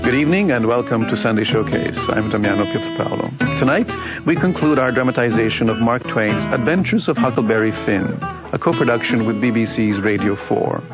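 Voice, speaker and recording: Man, radio host, scripted intro, mid-pitched, slightly dull sound, prominent guitar music. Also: a little fast. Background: loud plucked guitar music.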